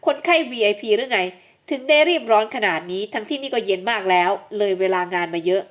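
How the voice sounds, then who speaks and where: A woman's voice: medium pitch, expressive, fast, a bit bright, natural voice. Woman voicing a teasing young male doctor.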